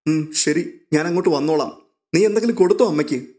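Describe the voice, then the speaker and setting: A man's voice: fairly high pitch, fast talker, voice pushed up, lightly acted. A man voicing an anxious, tender young woman. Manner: soft, hesitant, breaking voice.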